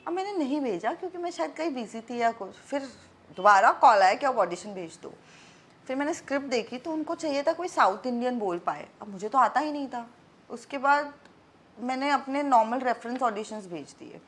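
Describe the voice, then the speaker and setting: A woman's voice: on the high side, a bit bright. A young actress chatting candidly as an interview guest, mixing English phrases into her Hindi.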